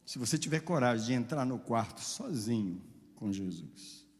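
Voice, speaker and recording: A man preaching a sermon as a pastor, impassioned, with dramatic swings between loud and soft. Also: medium pitch, animated, normal speed, big-room sound.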